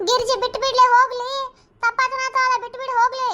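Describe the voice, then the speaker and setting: Cartoon village neighbor lady, done by an actor, high bright voice, soothing and coaxing. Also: quick pace, dull audio. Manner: coaxing, calming. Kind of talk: cartoon comedy voice acting.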